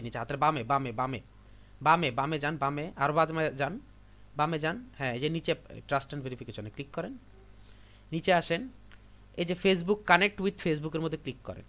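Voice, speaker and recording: A man's voice: on the high side, sharp tone. A man from Bangladesh teaching a computer class, giving repetitive step-by-step instructions to his students. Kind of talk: live classroom tutorial.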